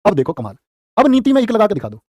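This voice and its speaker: Fast, high-voiced energetic male teacher. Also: dry recording. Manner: energetic, playful, calls students "dear children". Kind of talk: online exam-prep lesson.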